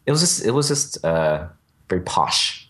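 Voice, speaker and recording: A man with a very low voice chats casually on a podcast. He talks in a halting way, pausing on fillers as he gathers his thoughts. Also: big pitch swings, fairly bright tone. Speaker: podcast co-host. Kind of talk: casual conversational chat.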